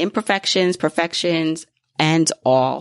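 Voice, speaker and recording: In a dry, close recording with no echo and a quiet background, a woman speaks in a very deep, low pitch with ordinary pitch variation. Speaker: personal finance podcast host. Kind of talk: casual solo monologue. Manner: unpolished, off-the-cuff.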